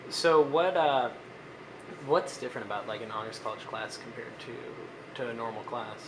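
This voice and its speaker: A man's voice: medium pitch, moderate pace, noisy background. A young man interviewing a student, asking questions in a hesitant way with many fillers.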